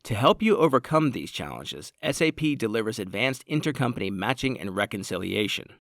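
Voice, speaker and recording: A man reading a scripted software tutorial in a measured, formal, explanatory way. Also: fairly low pitch, big pitch swings, no room sound, clean studio sound. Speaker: product tutorial narrator.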